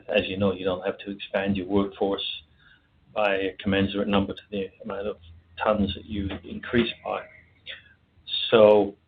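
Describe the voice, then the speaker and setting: A man, a company executive, answering analysts' questions on an earnings call, halting with many fillers and restarts. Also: on the low side, breathy edge. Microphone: phone. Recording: tinny phone line.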